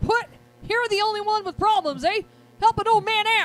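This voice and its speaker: Music plays in the background behind a put-on character voice. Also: moderate pace. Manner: grumpy, complaining.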